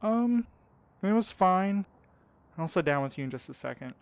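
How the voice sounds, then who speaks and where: Audio drama partner, played by a man: fairly high, crisp voice, caring and nervous, earnest and hesitant. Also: animated, normal speed, no echo. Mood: caring, flustered. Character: anxious, caring young man, devoted partner. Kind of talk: fiction podcast acting.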